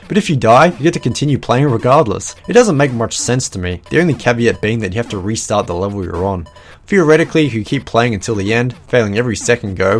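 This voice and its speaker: Wry man narrating a game review. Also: fairly low pitch. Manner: wry, self-deprecating jokey asides.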